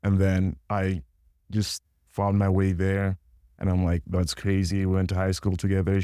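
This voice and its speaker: A man's voice: low-pitched, smooth, no echo, studio quality. A young man from Congo, a student organizer, talking casually and a little hesitantly in an interview. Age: young adult. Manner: relaxed, hesitant with many ums.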